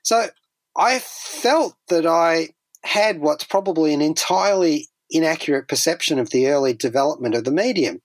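A man's voice: on the high side, expressive, moderate pace, dry recording, poor audio. A man hosting a pop culture radio show in a chatty, wordy way, with whimsical turns of phrase and wry asides. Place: dry radio studio.

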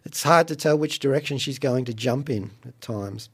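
A man presents chatty radio commentary in a medium-pitched voice. His delivery is wry and playful, with deliberate phrasing and little theatrical asides. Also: breathy edge. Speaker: radio show host and reviewer. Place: radio studio.

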